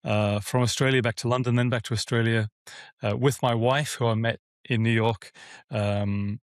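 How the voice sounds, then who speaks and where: A man's voice: medium pitch, fairly even intonation, moderate pace, dry recording. Man, dry interview voice. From South Africa. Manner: rambling with many restarts and fillers. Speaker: guest, property management business owner. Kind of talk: casual interview answers.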